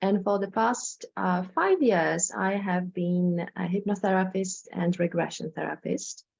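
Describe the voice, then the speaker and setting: A woman's voice: on the low side, measured pace, creaky, darkish tone. Polish-accented woman presenting, dull lo-fi audio. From Poland. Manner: hesitant, repeats words, tags sentences with "right?". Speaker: hypnotherapist presenting. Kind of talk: informal online presentation.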